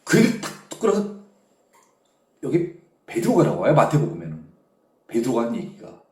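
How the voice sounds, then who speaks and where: A male pastor giving an animated sermon, often prompting listeners with short questions. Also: medium pitch, fairly quick, faint music behind. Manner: animated storytelling, constant "eh?" prompts to the audience. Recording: echoey room.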